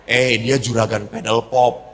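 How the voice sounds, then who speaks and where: A man's voice: medium pitch, unhurried, long reverb tail, a little hiss or hum. A male Catholic priest giving a sermon, telling stories and acting out the voices of the people in them. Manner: animated storytelling with acted-out quotes.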